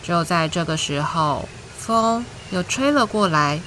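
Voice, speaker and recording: A woman with a Taiwanese Mandarin accent hosts a children's story show, reading a picture book as if to a toddler in a sing-song way, with drawn-out words and questions to young listeners. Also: lowish voice, animated, fairly bright tone, slight background noise, rough recording. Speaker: children's storytelling podcast host. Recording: music behind the voice. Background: instrumental music.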